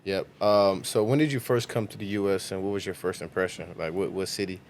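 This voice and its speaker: A man's voice: deep voice, fairly even intonation, fairly quick, a little hiss or hum. A man hosting a podcast, asking short casual questions and affirming the guest briefly. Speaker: podcast host.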